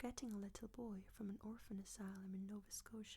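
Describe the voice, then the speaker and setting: A soft-spoken voice at a medium pace. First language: not English. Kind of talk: soft-spoken audiobook reading for sleep. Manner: soft-spoken, calming.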